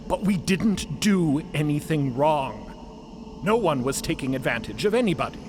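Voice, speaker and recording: Earnest man, slow and expressive. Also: on the high side. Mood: firm, assured. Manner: clear, assured, deliberate. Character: earnest, newly self-aware man asserting his own life. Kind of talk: audio drama acting. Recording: noisy ambient sound bed behind voice.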